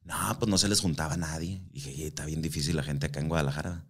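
A very deep, fairly even-toned voice belongs to this fast-talking Mexican guest. His storytelling is casual and slangy, heavy on swearing, with quoted voices acted out.

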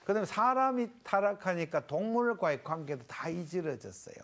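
A middle-aged man, a pastor giving a Bible lecture to a panel in a folksy, animated way. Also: high voice, brisk. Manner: animated and folksy, explains Hebrew words in homely terms.

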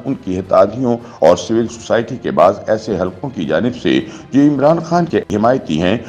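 Lower-voiced man reading formal news. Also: darkish tone, muffled recording. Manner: formal, measured reading of a political commentary. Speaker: news narrator. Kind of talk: scripted news voice-over.

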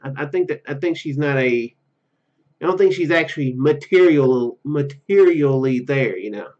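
Animated higher-voiced man doing a let's play. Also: moderate pace, dull audio. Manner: animated, acts out the lines. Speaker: streamer playing and reading aloud a visual novel. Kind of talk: casual let's play, reading lines aloud with commentary. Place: room at home. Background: game music.

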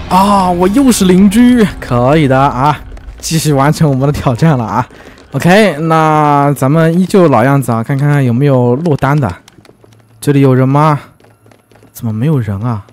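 A man giving lively, teasing commentary as he plays a video game, full of exclamations. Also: a little high. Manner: excitable, teasing, frequent exclamations and laughs. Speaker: gaming YouTuber. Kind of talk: let's play commentary.

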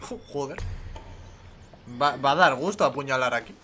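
Chatty streamer man, lively voice. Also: mid-range voice, normal speed, soft background music. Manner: chatty, self-interrupting, swears casually. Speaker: gaming streamer. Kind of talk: casual let's-play chat.

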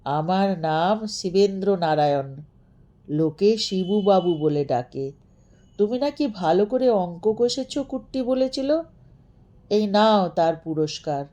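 Woman voicing a pompous old aristocratic gentleman ghost. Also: medium pitch, animated, slow. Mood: kindly. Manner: pompous, emphatic speech to servant and child. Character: old aristocratic ghost gentleman, boastful, commanding yet kindly.

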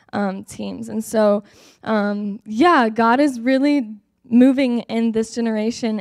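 A woman's voice: fairly high pitch, no room sound, clean studio sound. A young woman giving an upbeat, earnest testimony on a church stage, with many ums, speaking into a handheld mic. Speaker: guest speaker.

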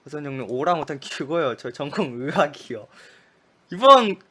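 A man's voice: on the high side, very animated, moderate pace, fairly bright tone. A man playing a memory quiz game aloud, rattling off short clipped answers and cursing at his own mistakes. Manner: frustrated outbursts and muttered curses at mistakes. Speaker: gaming streamer.

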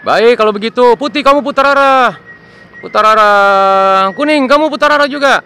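A man voicing an excitable little toy airplane in a children's toy story, squealing and calling out orders. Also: very high-pitched, normal speed, slight background noise, pitched above the performer's own voice, heavily acted. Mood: bossy. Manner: squealing, giddy, calls out orders.

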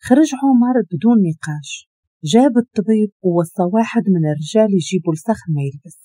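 A woman with a Moroccan Arabic accent narrating a dramatic story with a brisk, expressive reading. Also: medium pitch, dry recording.

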